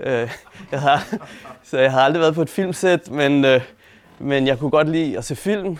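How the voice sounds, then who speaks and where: With ordinary pitch variation, a man talks fairly slowly at a fairly high pitch. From Denmark (born in Chile, moved at four). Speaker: cinematographer. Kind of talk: talk to an audience. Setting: cinema with live audience. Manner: halting, many fillers.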